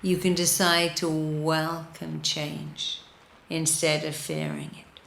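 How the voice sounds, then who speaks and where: A woman leading a guided meditation in a soothing, deliberate manner, repeating gentle instructions with pauses. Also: low-pitched, level tone, gravelly, reverberant, slight background noise. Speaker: guided meditation leader, hypnotherapist.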